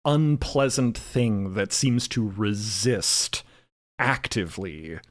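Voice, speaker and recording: A man speaking reflectively and a bit haltingly as a podcast creator in a casual roundtable discussion. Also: lowish voice, animated, no room sound, clean studio sound.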